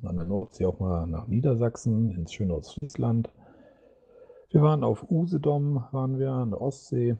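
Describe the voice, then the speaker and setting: A man's somewhat breathy voice with lively intonation. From Schleswig-Holstein, northern Germany (near Rendsburg). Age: 40s. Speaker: podcast co-host, electrician's helper. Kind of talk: casual chat.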